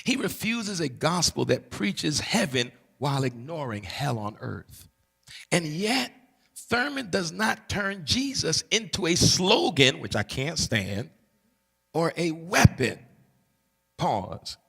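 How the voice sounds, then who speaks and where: A pastor's gravelly, husky voice rises and falls with lively pitch as he teaches. He repeats key phrases for emphasis and checks in with the congregation. The sound carries the long reverb of a large hall. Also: takes it slowly. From Barbados. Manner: preacherly, call-and-response asides, emphatic repetition. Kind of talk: teaching sermon.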